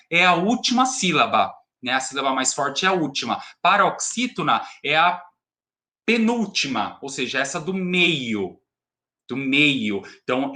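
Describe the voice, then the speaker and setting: Male teacher, Brazilian accent, animated pitch, keeps checking in with the class. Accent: Brazilian Portuguese. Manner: explanatory, frequent tag questions. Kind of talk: recorded remote class lesson.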